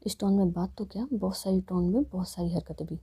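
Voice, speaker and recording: A woman's voice: fairly low pitch, steady tone, fairly quick, mellow, slightly rough. A woman voicing a bossy, possessive young woman who teases and gives orders, in a storybook reading. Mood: threatening. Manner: teasing, commanding.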